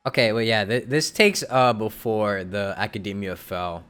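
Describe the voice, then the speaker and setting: A young man giving casual, slangy live gameplay commentary, reacting aloud in a halting way. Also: fairly low pitch, a bit bright, clear, resonant tone, soft background music. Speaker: game streamer.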